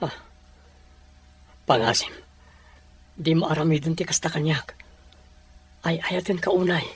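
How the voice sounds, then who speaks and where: Husky, lovesick young man. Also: on the high side, unhurried. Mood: pleading. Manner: emotional, insistent. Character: lovesick young man, pleading, stubborn, heartbroken. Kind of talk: radio drama acting.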